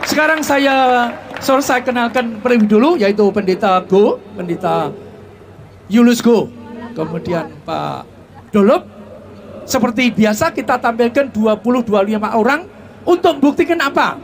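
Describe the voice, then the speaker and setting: A man's voice: very high-pitched, animated, moderate pace, slight background noise. A male pastor preaching with passion, sprinkling "so" through his talk. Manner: impassioned, repeats "so" often. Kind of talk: sermon with testimony. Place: stadium.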